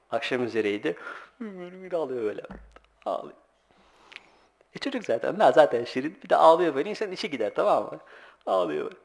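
A middle-aged man giving an informal sermon as a religious teacher, telling lively anecdotes, acting out voices and laughing often. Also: mid-range voice, gravelly.

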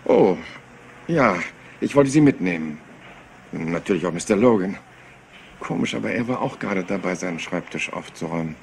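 An actor playing a rumpled, seemingly scatterbrained police inspector in a German crime radio play, rambling and deceptively polite. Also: male voice, low voice, lively intonation, moderate pace, gravelly, pauses often, darkish tone. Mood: politely rambling. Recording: noisy retro radio play.

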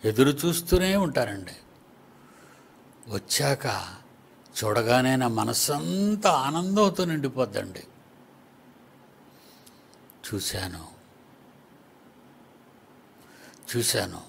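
A man's voice: medium pitch, sing-song, takes it slowly, creaky, pauses often, a little hiss or hum. A man preaching a sermon to his congregation, teasing the listeners with rhetorical questions.

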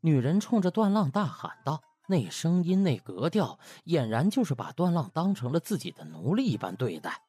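A man's voice: a little high, big pitch swings, normal speed, hardly any pauses, dark tone, breathy edge, dry recording, soft background music. A man narrating a comic web-novel audiobook in a colloquial, dramatic storytelling style.

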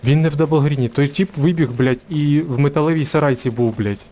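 A man's voice: fairly high pitch, brisk, background noise. A man on gaming voice chat, giving tactical callouts and swearing often. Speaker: gamer.

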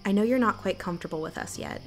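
A woman's voice: medium pitch, fast, faint music behind, lightly acted. A woman playing a candid, apologetic small-town local in an audio drama.

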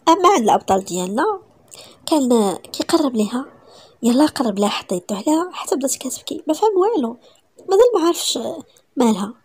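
Whispered role-play, Moroccan woman narrating, very fast, dark voice. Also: high-pitched, very animated, slightly rough. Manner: rapid intimate storytelling. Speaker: storyteller.

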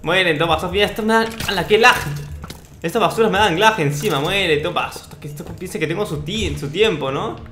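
Faint music plays behind a young Peruvian-accented gaming host as he jokes his way through Minecraft with cocky, pretend boasting. His high-pitched voice is bright, forceful, and fairly quick, captured in a roomy recording with faint background noise.

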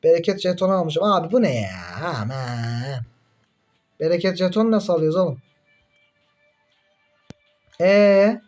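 A young man commentating his own mobile game in casual chat, excitable, groaning and cursing when things go wrong. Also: high voice, a little slow, pauses often, soft background music.

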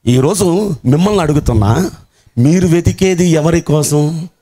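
A man's voice: fairly high pitch, unhurried, warm tone. A man preaching an Easter sermon to a seated congregation in church. He asks rhetorical questions and swings his voice dramatically as he quotes scripture figures. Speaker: pastor.

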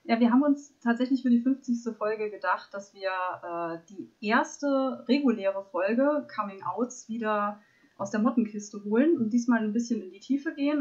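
A woman's voice: mid-range voice, darkish tone. Hesitant forty-year-old woman, lo-fi sound. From Saarland, Germany. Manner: hesitant, many fillers. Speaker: podcast co-host. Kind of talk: casual podcast discussion.

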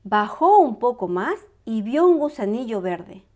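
A woman reading a storybook aloud to young children in a bright, sing-song, welcoming manner. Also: fairly high pitch, sing-song, a little slow.

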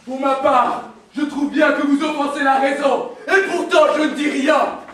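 Stage part: actor as male defiant objector, declamatory, very high voice, echoing hall. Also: steady tone, normal speed, a bit bright. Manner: declamatory, projecting. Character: loud, defiant free citizen refusing to salute war. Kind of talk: theatrical stage acting. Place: theatre stage, indoors. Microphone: far camera in audience. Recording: echoey theatre hall, distant.

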